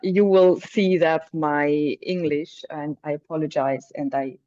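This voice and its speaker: German woman, non-native English, halting and searching for words, warm tone, muffled video call. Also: sits low, fairly even intonation. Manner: hesitant, searching for words, laughs lightly. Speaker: caller. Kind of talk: casual group video call.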